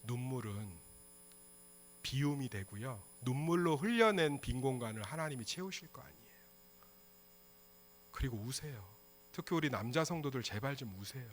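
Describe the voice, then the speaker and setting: Animated, bright-voiced male pastor preaching. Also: medium pitch. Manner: impassioned, shifts between hushed and loud. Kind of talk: sermon.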